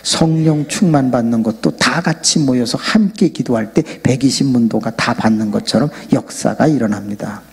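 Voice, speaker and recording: A man preaching a lively revival sermon in a large church sanctuary, joking and leading the congregation in loud shouted prayers. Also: medium pitch, moderate pace, few pauses, husky. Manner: jokey, animated, leads the crowd in loud shouted prayer. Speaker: pastor. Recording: long reverb of a big church hall.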